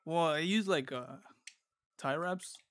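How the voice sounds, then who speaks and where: A man's voice: a little high, takes it slowly, a bit bright. A man talking over voice chat with a streamer friend while gaming, teasing and easygoing. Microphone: remote voice chat mic.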